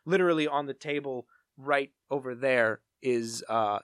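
A man with a medium-pitched voice co-hosts a pop culture podcast. He rambles playfully and casually, often interrupting himself. The sound is dry, free of room echo. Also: measured pace, fairly bright tone, clear, resonant tone. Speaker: podcast co-host.

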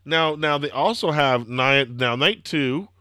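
A young man with a slightly hoarse, throaty voice, hosting a casual wrestling podcast and rambling excitedly with lots of fillers. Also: fairly high pitch, measured pace, dry recording. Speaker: podcast host.

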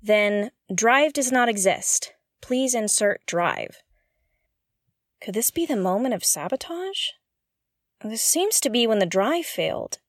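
Woman acting a slow, hesitant, curious space explorer. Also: on the high side, expressive, no echo, studio quality. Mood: intent, puzzled. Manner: hesitant, exclamatory, muttering to herself. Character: curious, jittery woman explorer alone aboard a derelict spaceship. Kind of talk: audio drama monologue, thinking aloud.

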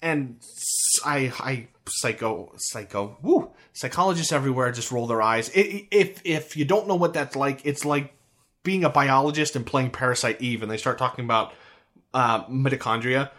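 A man's voice: medium pitch, normal speed, a bit bright. American man in rambling podcast chat. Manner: rambling, with frequent restarts and fillers. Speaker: podcast co-host. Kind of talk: casual chat.

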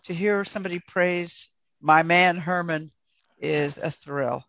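A woman's voice: on the low side, a little slow, a bit bright. A woman in the audience, speaking up eagerly and with enthusiasm. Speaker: audience member.

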